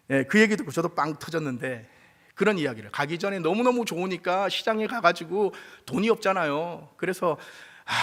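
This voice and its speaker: A man preaching a sermon, telling a story and acting out the people in it. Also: high-pitched. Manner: animated storyteller, acts out voices and shouts. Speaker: pastor.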